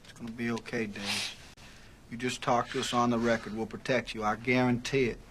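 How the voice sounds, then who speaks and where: A man playing a calm, measured prosecutor. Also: medium pitch, a little hiss or hum, lightly acted. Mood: reassuring. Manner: soft, measured, reassuring. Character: calm, steady male prosecutor questioning a witness.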